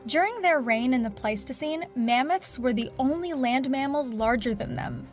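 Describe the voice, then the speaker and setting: A woman with a high-pitched voice narrates a scripted nature documentary. She presents as the host of an animal show, and music plays softly behind her. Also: animated, normal speed.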